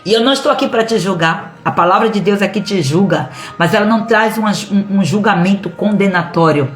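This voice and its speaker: A middle-aged Brazilian woman preaches with a lively, expressive delivery in a livestream sermon. She acts out the voices of the people she quotes. The sound is roomy, with faint music underneath. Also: medium pitch, brisk. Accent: Brazilian Portuguese. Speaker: pastor.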